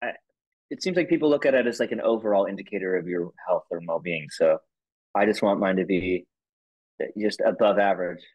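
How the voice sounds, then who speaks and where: A man's voice: low voice, brisk, a little mellow, lo-fi sound. A man talking in a casual podcast chat, rambling and joking with a chuckle.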